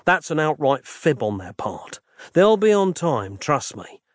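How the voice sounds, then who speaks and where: A man's voice: fairly high pitch, big pitch swings, measured pace, dry recording, clean studio sound. Guy reading as a bossy sarcastic grump, growly, curt. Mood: gruff.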